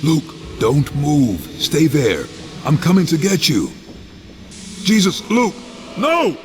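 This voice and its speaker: A grim undead demigod speaks very low in a cavernous space. His delivery is grave and theatrical, swinging widely in pitch, with a dry sarcastic streak, as in a dark video game. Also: animated, measured pace. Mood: desperate, alarmed. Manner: grave, poetic when narrating, dry sarcasm in talk. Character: brooding male undead voodoo demigod, lord of the dead. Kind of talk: dramatic video game voice acting. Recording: echoey reverberant hall, faint hiss.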